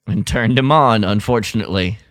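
A man's voice: lowish voice, brisk, fairly bright tone, no room sound, clean studio sound. A man co-hosting a podcast, chatting casually about sci-fi books in a laid-back, jokey way. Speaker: podcast co-host.

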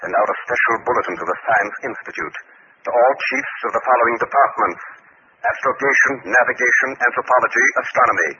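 Stern commander, bright forceful voice. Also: male voice, medium pitch, quick pace, breathy edge, exaggerated voice. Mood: brisk, curt. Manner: authoritative, formal, curtly dismissive. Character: stern, imperious male military commander of secret base. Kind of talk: 1950s radio drama acting. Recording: noisy, muffled 1950s radio recording.

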